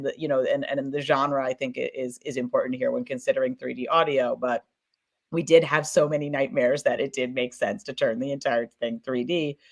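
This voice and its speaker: Woman casually moderating, loose and rambling. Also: sits low. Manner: loose, rambling questions with frequent "like". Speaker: panel moderator, podcast producer.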